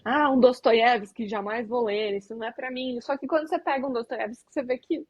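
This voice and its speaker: A woman's voice: on the high side, brisk, slightly rough, dry recording, lo-fi sound. A woman hosting a podcast, speaking reflectively in casual conversation. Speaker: podcast host.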